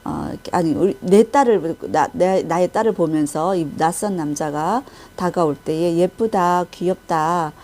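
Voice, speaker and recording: A woman's voice: on the low side, measured pace, hardly any pauses, darkish tone. A woman preaching and recounting a vision in testimony style, restarting often and acting out the people in it. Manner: retells a vision with acted quotes and frequent restarts. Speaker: Christian intercessory prayer minister.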